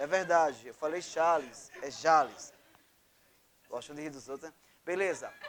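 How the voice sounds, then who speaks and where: Crowd noise fills the background as a man speaks in an animated tone. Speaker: Portuguese language teacher. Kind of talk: lecture.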